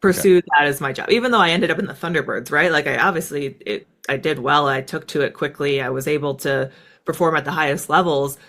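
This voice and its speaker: A low-pitched, fairly quick and fairly bright voice belongs to this American interview guest, a one-time military fighter pilot. Her storytelling is conversational and thoughtful, sprinkled with "like" and "right."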